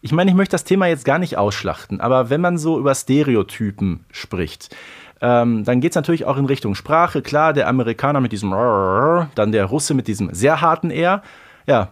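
A man's voice: mid-range voice, expressive, normal speed. A man co-hosting a podcast, reviewing a radio play in colloquial, emphatic casual chat full of idioms. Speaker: podcast co-host.

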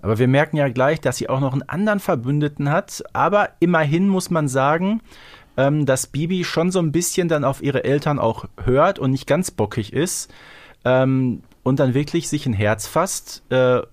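A man with a slightly high voice, speaking at a normal pace, co-hosts a podcast. He retells and discusses an audio drama episode in a loose, colloquial way, often tacking tag questions onto his sentences.

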